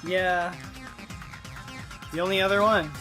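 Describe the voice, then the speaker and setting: A woman's voice: on the low side, fairly even intonation, takes it slowly. A woman giving casual game commentary as she plays, talking in a slangy, offhand way. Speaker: gamer reacting to a game. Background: game music.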